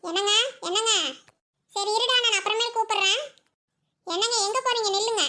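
Cartoon wife, young and argumentative, Kongu accent, squeaky-high and quick; a woman voices her. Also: steady tone, pushed and bright. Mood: chatty. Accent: Kongu Tamil. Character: chatty young village wife, quick to argue. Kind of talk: cartoon voice acting.

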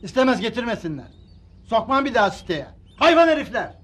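A grumpy, scolding holiday-home owner. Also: male voice, high voice, lively intonation, a little fast. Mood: grumbling. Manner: scolding, grumbling. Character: irritable middle-aged male holiday-home owner, a father. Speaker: annoyed estate resident. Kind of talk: sitcom acting.

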